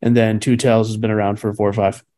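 A man's voice: fairly low pitch, flat delivery, quick pace, warm tone. A man born in Cuba, a dog trainer chatting as an interview guest, rambling through his story with frequent fillers and laughs. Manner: rambling, laughs between stories. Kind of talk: casual interview answers.

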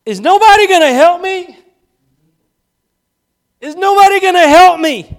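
Man putting on a frazzled overworked woman, shrill, high, loud, exasperated pleading. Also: animated, measured pace, exaggerated voice.

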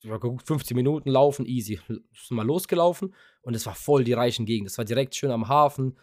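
Talking fast in a mid-range voice, a young podcast co-host tells a long, laid-back story stuffed with fillers and offhand profanity. The audio is clean studio sound without echo.

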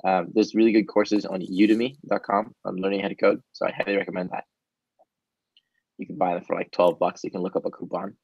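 This startup founder, a native Hebrew speaker, handles an interview in a casual, sincere way full of ums. His low, level voice is creaky and a bit mellow with a breathy edge, recorded dry and slightly dull with no echo.

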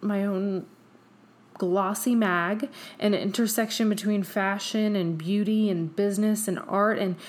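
Female podcast host, English as second language, medium pitch. Casual solo opinion talk, emphatic and gushing, lots of "like". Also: steady tone, measured pace. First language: not English. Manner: effusive, emphatic, tangential, peppered with "like".

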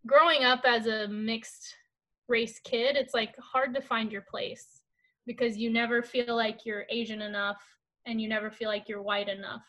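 A woman's voice: fairly high pitch, fairly even intonation, normal speed, a bit bright. A woman talking casually in an interview, full of "like" fillers and restarts. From United States. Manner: chatty, many "like" fillers and restarts. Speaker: guest.

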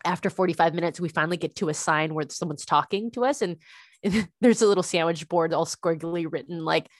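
A young adult woman tells a long, exasperated story in an easy, rambling way, with "like" dropped into nearly every sentence. Her voice sits fairly low for a woman, and the sound is close and dry. It is a casual conversation among friends. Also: brisk, dry recording. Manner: animated, frustrated storytelling with many "like" fillers. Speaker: parent.

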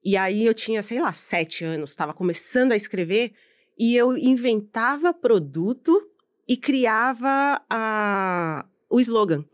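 A woman's voice: on the high side, expressive, unhurried. A Brazilian woman, a podcast guest, telling personal stories in a candid, slangy way and laughing often. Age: adult, with a daughter who was 12 years ago. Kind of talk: casual storytelling conversation.

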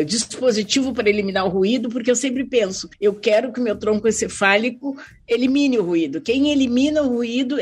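A woman with a slightly husky, higher-pitched voice speaks as an expert guest. She explains things in a measured, steady way, like a clinician talking to a general audience. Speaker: audiologist guest. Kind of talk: expert podcast discussion.

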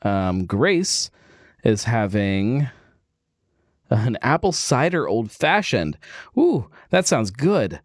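A man's voice: medium pitch, sing-song, slow pace, no room sound, clean studio sound. A man hosting a casual beer livestream, easygoing and rambling, with lots of fillers as he reads viewers' messages. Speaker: livestream host. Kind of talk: casual chat.

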